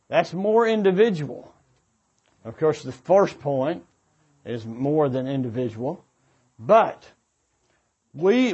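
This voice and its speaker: A man with a somewhat high voice gives an informal sermon in an earnest, exhorting way. He moves haltingly through his points, repeating and rephrasing as he goes. The recording is dull and a little muffled. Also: darkish tone. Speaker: preacher addressing young adults at a church gathering.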